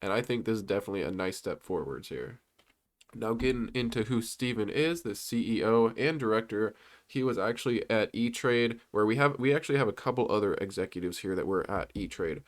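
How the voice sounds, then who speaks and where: A young man with a low, stuffy voice, congested from a cold, walks through investment slides in a loose, rambling way. He talks casually, full of fillers and false starts, and sounds like a regular on his own channel. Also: expressive, fairly quick. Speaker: stock commentary YouTuber. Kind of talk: casual commentary over on-screen slides.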